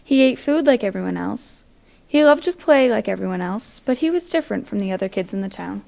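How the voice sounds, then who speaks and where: A woman's voice: medium pitch, animated, a little fast, vocal fry, darkish tone. A young woman reading a story aloud to children in a library. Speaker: volunteer storybook reader. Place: public library, indoors.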